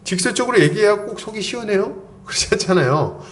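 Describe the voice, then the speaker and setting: A man's voice: high-pitched, animated, quick pace. A man preaching a sermon in a chatty way, acting out quoted lines and often chuckling. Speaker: pastor.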